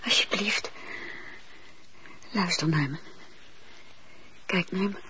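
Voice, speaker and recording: An actress playing a tender, earnest, fearful wife in a radio play, pleading in a halting, breathy way. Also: female voice, fairly low pitch, bright, forceful tone. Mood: pleading, afraid. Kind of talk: Dutch radio play acting. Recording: dull, noisy old radio play tape.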